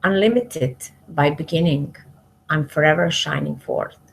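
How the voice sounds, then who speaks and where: A woman reading spiritual verses aloud devotionally, in measured short phrases that trail off softly at the ends. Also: low voice, low-quality recording. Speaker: reader of spiritual scripture, commenting as she goes.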